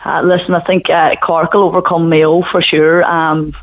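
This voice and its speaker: A woman's voice: low voice, flat delivery, normal speed, no echo. A woman with a Donegal accent giving colloquial, conversational sports analysis in a radio interview. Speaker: sports pundit. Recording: thin phone line, dry, band-limited.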